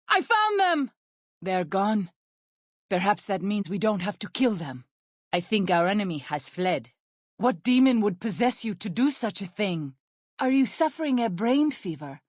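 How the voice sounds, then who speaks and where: A woman playing an earnest, protective tribal healer in a video game, speaking in formal, measured wording. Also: medium pitch, no echo, clean studio sound. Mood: alert, then quiet, regretful. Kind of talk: video game character voice lines.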